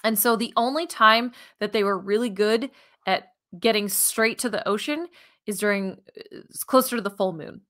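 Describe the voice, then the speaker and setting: A woman in her thirties with an American accent co-hosts a science podcast. Her voice is bright and crisp-edged at an average pitch. She explains conversationally and with animation, speaking into a headset from home. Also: normal speed. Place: living room at home, indoors. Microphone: headset on a video call.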